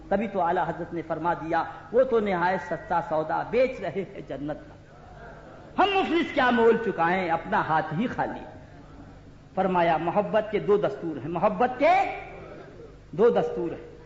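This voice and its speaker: A man preaching an impassioned sermon, urging the crowd to respond and rising to shouts. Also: a little high, a little hiss or hum. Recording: echoey hall, muffled lo-fi sound.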